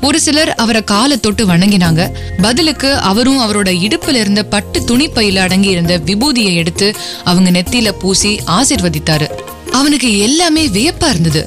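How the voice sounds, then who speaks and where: A woman tells a story for a radio drama in colloquial, scripted narration. Her pitch is medium. Music plays clearly behind her.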